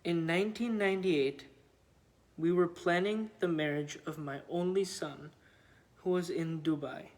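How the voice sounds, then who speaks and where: A man reading a written devotional account aloud in a measured, halting way. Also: on the high side, fairly even intonation. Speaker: reader of devotional testimonies.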